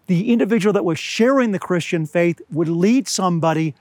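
Hoarse older man preaching a sermon outdoors. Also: high-pitched, darkish tone, dry recording. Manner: earnest, deliberate, slows to stress words. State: slightly hoarse. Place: outdoors among pine trees at high altitude.

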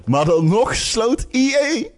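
A podcast co-host chatting casually with a friend. He is a man whose pitch rises and falls a great deal, and he often restarts his sentences and laughs mid-story. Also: takes it slowly. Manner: animated, stumbling restarts, laughs while telling. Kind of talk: casual chat.

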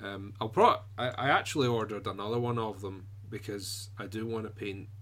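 A man with a fairly low voice, talking in a relaxed, halting way and often restarting his sentences. He chats casually as a podcast co-host, soft-spoken and unhurried. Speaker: podcast co-host and miniature painter. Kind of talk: casual chat.

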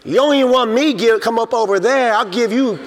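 Pastor guy preaching, pretty high voice, big echo tail from the church hall. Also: brisk, slight background noise. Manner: emphatic preaching, acts out inner voices. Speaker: senior pastor. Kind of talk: sermon. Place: church sanctuary.

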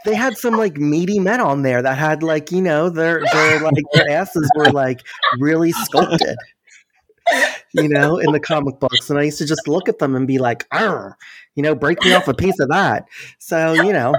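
A man's voice: on the high side, normal speed, noisy background. A man co-hosting a podcast, talking in a blunt, joking, profane way. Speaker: podcast co-host. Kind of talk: casual chat.

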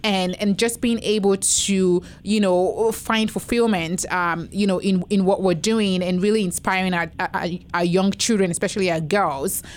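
A woman's voice: medium pitch, steady tone, moderate pace, few pauses. Reflective woman podcast host. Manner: reflective, long winding sentences. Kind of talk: casual interview conversation.

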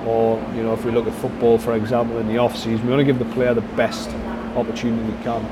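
A man's voice: medium pitch, monotone, fast talker, background noise. A man speaking as a performance coach in an interview, explaining things conversationally and circling back with frequent "you know".

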